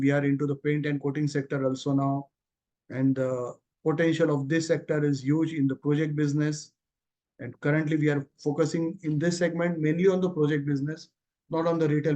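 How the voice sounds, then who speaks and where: On a conference call, an executive with an Indian accent presents company results in an informal manner. His voice is fairly high-pitched with a darkish tone. The call audio is muffled and lo-fi.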